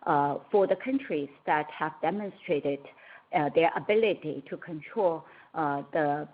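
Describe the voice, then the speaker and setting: A woman executive answering questions on an earnings call, speaking in measured, halting short phrases. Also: low voice. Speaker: company executive. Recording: narrow, tinny phone line.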